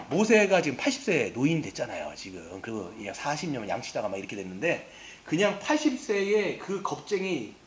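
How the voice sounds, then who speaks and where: A male pastor preaching a lively, conversational sermon, asking his congregation questions and acting out the words of the scripture figures. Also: high voice, a little hiss or hum. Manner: acts out God's and Moses' words in a casual voice. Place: church.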